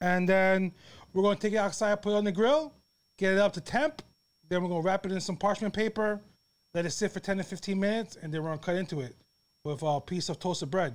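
With a high pitch and ordinary pitch variation, a man speaks at a very fast pace. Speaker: cooking show host. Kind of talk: tutorial. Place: kitchen. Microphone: lapel.

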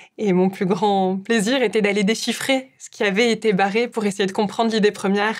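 Against a quiet background, a woman speaks at a medium pitch and moderate pace with fairly even intonation. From France. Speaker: museum director. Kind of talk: personal testimony. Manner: halting, many hesitations. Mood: warm, reflective, smiling. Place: studio.

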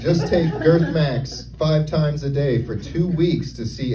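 Noticeable background noise sits behind the speaker. He is a man with a fairly high pitch who talks at a fairly slow pace. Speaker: stand-up comedian. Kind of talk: stand-up comedy set with a mock sponsored ad read. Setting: stage with live audience, open mic at a veterans hall.

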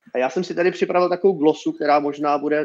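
This voice belongs to a man. Its pitch rises and falls in an ordinary way. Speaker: men's seminar leader and co-host. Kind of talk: casual live online talk. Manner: casual, colloquial, filler words. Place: home room. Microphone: headset.

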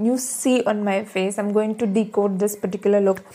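Her pace is moderate. This woman keeps a fairly even intonation. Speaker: beauty vlogger. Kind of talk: casual vlog chat and tutorial. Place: home room. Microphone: lapel.

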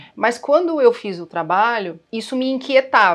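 Against a quiet background, a woman with an unremarkable speaking voice talks at a moderate pace with lively intonation. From São Paulo, Brazil. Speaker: psychologist and author. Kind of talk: interview answers. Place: studio.

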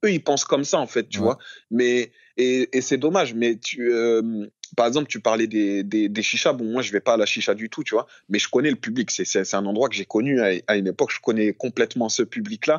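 Here a man with an ordinary speaking voice talks at a medium pitch with ordinary pitch variation. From Bordeaux, France. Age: 30s. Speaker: logistics worker. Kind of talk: casual chat.

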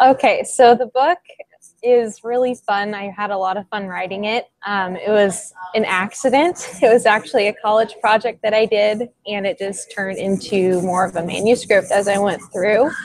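A woman with a fairly high pitch varies it in an ordinary way as she talks at a moderate pace. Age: 20s. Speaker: fiction author. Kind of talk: interview answer. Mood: cheerful, smiling. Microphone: earbuds.

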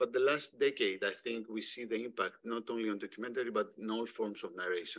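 With a Greek accent, a man talks at a very fast pace, with hardly any pauses and fairly even intonation. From Greece. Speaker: university lecturer. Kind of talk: speaker introduction. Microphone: video call.

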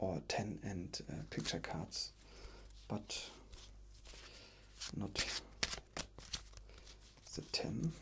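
Soft-spoken and at a very slow pace, a man talks with long, frequent pauses over noticeable background noise. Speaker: ASMR creator teaching math. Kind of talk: ASMR math tutorial. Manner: soft-spoken, relaxing. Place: home room.

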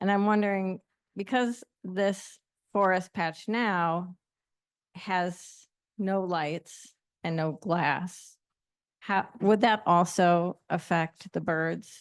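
A woman speaks at a very slow pace with long, frequent pauses. Her intonation is fairly even. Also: medium pitch for a woman, quiet background. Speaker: member of the public. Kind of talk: public question. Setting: council chambers. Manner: soft-spoken.

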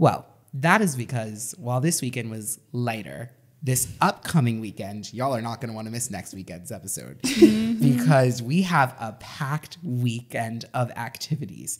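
A fairly quick pace against a quiet background. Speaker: podcast co-host. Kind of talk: casual podcast chat. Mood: upbeat, playful. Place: studio. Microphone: studio mic.

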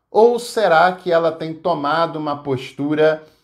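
A man's fairly high voice at a very slow pace, ordinary pitch variation, and a quiet background. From Brazil. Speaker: theology teacher and YouTuber; theology teacher, YouTuber. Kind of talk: educational talk to camera. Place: home room.

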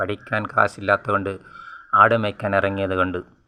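In a monotone, flat delivery, a man speaks with a bright, sharp tone at a fairly low pitch. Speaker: YouTuber and local political commentator. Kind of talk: political rant monologue to camera.

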